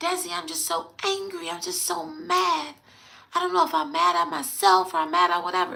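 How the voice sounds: In a put-on character voice, a female-sounding speaker talks hoarsely at medium pitch and a moderate pace.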